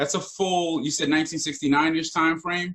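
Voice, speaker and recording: Fairly high in pitch, a man uses an ordinary speaking voice at a moderate pace. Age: 30s. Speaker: podcast host. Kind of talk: casual chat.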